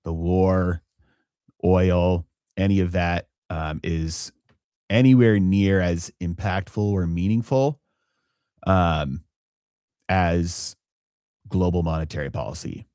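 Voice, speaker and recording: A man with a very deep voice hosts a live finance stream, thinking aloud with frequent fillers and restarts. The sound is dry and close, with no room around it. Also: warm tone, no room sound. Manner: halting, many fillers and restarts. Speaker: finance channel host. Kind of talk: live-stream market commentary.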